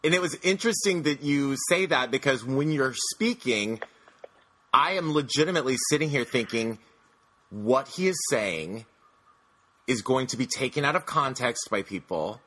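Husky man hosting an interview. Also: mid-range voice, lively intonation, moderate pace, fairly bright tone. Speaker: podcast host. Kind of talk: casual interview talk.

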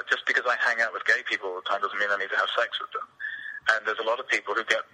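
Outspoken British man with a bright voice. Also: lowish voice, low-quality recording. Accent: British English. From England. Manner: outspoken, rambling with frequent restarts. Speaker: podcast guest. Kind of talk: candid interview talk.

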